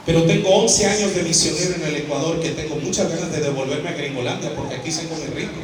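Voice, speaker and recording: A middle-aged man from Arizona preaching a fiery Catholic sermon, shouting and stretching out words as he leads the congregation in call-and-response. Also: on the high side. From United States (Arizona). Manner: shouting, drawn-out emphatic words, prompting the crowd to repeat. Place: large school hall with a congregation. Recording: echoey hall recorded from far off. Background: faint crowd and room noise.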